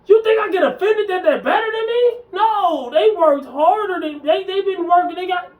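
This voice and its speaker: A man's voice: very high voice, expressive, normal speed, distant mic, narrow, tinny audio. Emphatic man in his forties ranting. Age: 40s. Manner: emphatic, preachy, slangy, repeats himself. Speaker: fitness vlogger. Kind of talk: casual ranting monologue.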